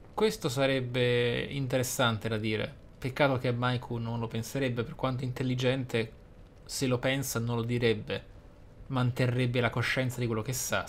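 Guy doing rpg commentary, average pitch, formal careful wording, bit of game noise in back. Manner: deliberate, articulate, formal wording. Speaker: gamer, let's play host. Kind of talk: roleplay gameplay commentary. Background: video game ambience.

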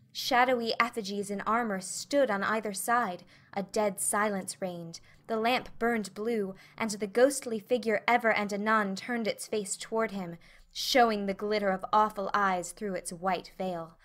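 Woman playing a young lady spinning a spooky tale, mid-pitched and hushed. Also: natural voice.

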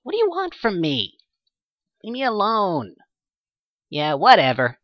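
A man's voice: high voice, wildly swooping pitch, a little slow, no room sound, lo-fi sound, heavily acted. A man voicing a bratty, sulky male pony for a game audition, whiny, petulant and dismissive. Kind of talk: game character audition lines.

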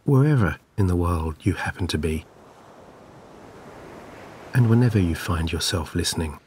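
A man narrating a scripted guided sleep meditation in a soothing, gentle, measured way. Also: low-pitched, lively intonation, slight background noise. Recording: clear background ambience of waves. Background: relaxing ocean wave sounds.

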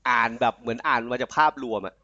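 A young man from Thailand tutoring a student live online. He reads the passage aloud slowly, then explains it in quick, chatty talk. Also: mid-range voice, steady tone, bright, forceful tone, no echo, lo-fi sound. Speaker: IELTS tutor. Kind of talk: live online tutoring, Thai mixed with English. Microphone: online call mic.

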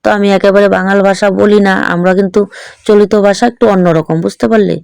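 Middle-aged bangal-accent woman vlogging at home, chatty, keeps asking "right?", smooth clear voice, dry sound. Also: mid-range voice, level tone, fast talker, a little mellow, no echo. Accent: Bangal (East Bengal) Bengali. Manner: chatty, keeps checking in with tag questions. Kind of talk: casual home vlog narration.

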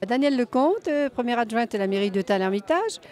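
A woman's voice: fairly high pitch, lively intonation, a little fast, darkish tone. A woman in her sixties, a local official, speaking plainly into a handheld mic. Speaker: deputy mayor.

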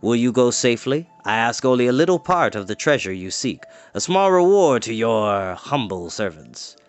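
A man's voice: mid-range voice, sing-song, moderate pace, faint music behind, natural voice. A man voicing a menacing, falsely hospitable mercenary leader in a storybook reading, boastful and grim. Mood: grim boasting. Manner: grim, mock-courteous, boastful.

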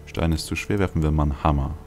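A man's voice: very deep voice, quick pace, a little mellow. A man hosting a let's play with casual game commentary, thinking aloud with wry, dry asides. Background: game music.

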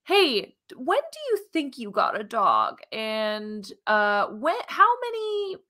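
A woman, co-hosting a science podcast in an animated, informal, emphatic conversational way. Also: fairly high pitch, slow. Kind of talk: conversational science news presentation. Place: small furnished room at home, indoors. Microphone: video call, wearing headphones.

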